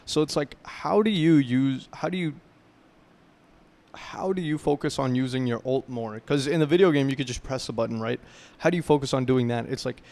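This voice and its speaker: Speaking with vocal fry in a mid-range, a little mellow voice, a young man rambles loosely through a casual self-improvement talk to camera. He keeps asking "right?" and leans on gaming comparisons to explain his points.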